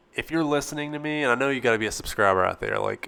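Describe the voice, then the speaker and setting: The man's voice is loud. Its tone is bright and sharp. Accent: American. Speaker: sports card hobby YouTuber. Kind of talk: casual monologue.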